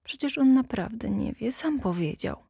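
A woman's voice: on the high side, expressive, normal speed, gravelly, dark tone, breathy edge, no room sound, studio quality, voice pushed up, heavily acted. A woman voicing a nervous lady who whispers in indignant defense of a friend.

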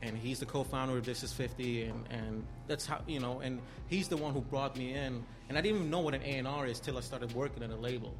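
A man with an Austrian accent talks quickly and easily about his own path, with a wry, self-deprecating touch. Music plays clearly underneath his voice the whole time. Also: mid-range voice, steady tone. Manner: fast, easygoing, self-deprecating. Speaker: guest, music A&R. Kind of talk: casual interview storytelling. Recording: music playing behind.

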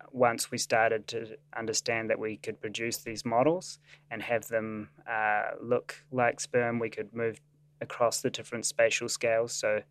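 Casual: kiwi-scientist guy, slow and thoughtful, lots of ums, smooth clear voice. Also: medium pitch, no room sound. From New Zealand. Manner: thoughtful, with frequent "um"s. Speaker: staff scientist and animator. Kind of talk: interview explanation.

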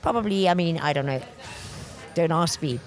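A woman from Bavaria, in her forties, talking loudly and animatedly as an interview guest. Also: low-pitched, moderate pace. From Germany, Bavaria. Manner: loud, animated storyteller. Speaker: interview guest, expedition record keeper. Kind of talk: casual interview talk.

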